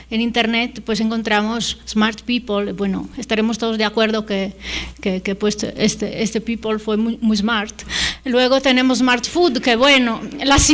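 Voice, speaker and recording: A middle-aged woman whose first language is Italian, giving an invited conference talk in a hesitant way, full of fillers and tag questions. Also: on the high side. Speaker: invited lecturer.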